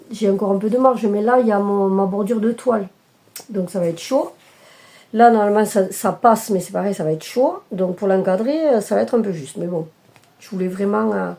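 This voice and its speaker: A woman's voice: mid-range voice, dark tone. A woman showing her cross-stitch work in a casual video chat, talking hesitantly with many fillers and self-corrections. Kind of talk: casual show-and-tell chat.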